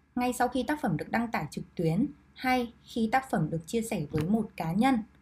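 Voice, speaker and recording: A somewhat breathy woman speaks at a fairly slow pace, her fairly high voice full of lively intonation. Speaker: partner marketing staff hosting a workshop. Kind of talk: online workshop presentation.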